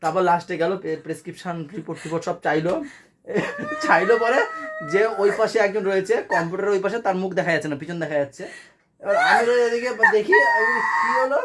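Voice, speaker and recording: A woman's voice: on the low side, fast talker. A woman vlogger telling a funny story at home, casually and with lots of laughter. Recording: noisy home recording.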